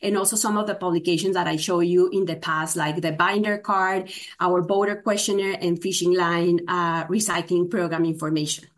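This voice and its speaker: A woman with a Spanish accent gives a formal presentation to a commission, speaking in a measured way with frequent "uh" fillers. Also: lowish voice, steady tone. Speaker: state agency program presenter.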